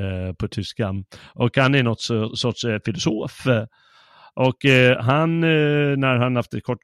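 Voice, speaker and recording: A man's voice: mid-range voice, no room sound, clean studio sound. A man co-hosting a literature podcast, retelling a play in amused, casual talk with many fillers. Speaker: podcast co-host. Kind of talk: casual chat about literature.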